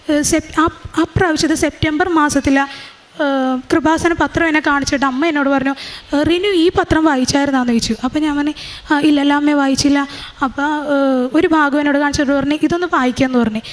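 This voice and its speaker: A young woman giving a religious testimony, halting, with many fillers and restarts. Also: high voice. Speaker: testimony speaker. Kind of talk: religious testimony, personal account.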